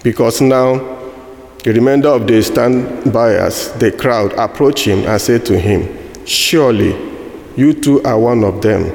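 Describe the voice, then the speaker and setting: Slow Nigerian preacher in echoing hall. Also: male voice, medium pitch, gravelly, darkish tone. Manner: slow, halting, with fillers and restarts. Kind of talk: sermon. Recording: echoey hall with long reverb.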